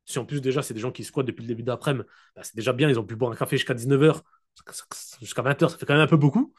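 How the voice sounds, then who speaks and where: A man coaching his network marketing team in a casual, direct motivational talk. He keeps checking that listeners follow him and slows down to dictate key points, speaking into a computer mic on a video call. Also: mid-range voice.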